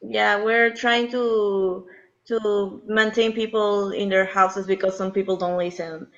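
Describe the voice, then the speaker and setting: A woman's voice: medium pitch, fairly even intonation, slow pace. A woman from Peru with a Peruvian accent, a native Spanish speaker, chatting casually as a caller on a video call, laughing often and sounding nervous. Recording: dull video call audio.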